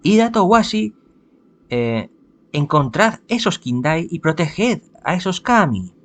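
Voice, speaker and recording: A man voicing a composed female leader in a game, reading her orders in a measured, commanding way. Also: a little high, big pitch swings.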